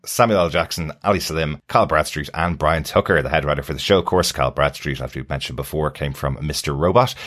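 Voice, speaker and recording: Really really deep voiced guy hosting a podcast, casual intro and housekeeping stuff. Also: fairly bright tone. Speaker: podcast host.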